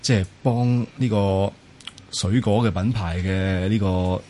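A man with a Hong Kong Cantonese accent giving modest, explanatory answers as an interview guest, with hesitant pauses. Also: lowish voice, fairly even intonation, dark tone, a little hiss or hum. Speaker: interview guest, former tech company employee. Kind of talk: casual interview talk.

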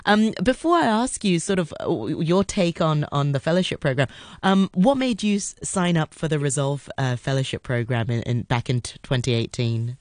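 Dry-sounding woman radio host, halting. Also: deep voice, lively intonation, darkish tone, no room sound. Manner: halting, repeats words when thinking. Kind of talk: hosting a radio interview.

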